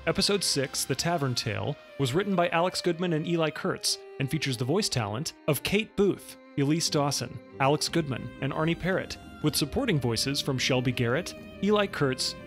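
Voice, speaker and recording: A man's voice: fairly high pitch, expressive, normal speed, faint music behind. A man announcer reading scripted closing credits for an audio drama.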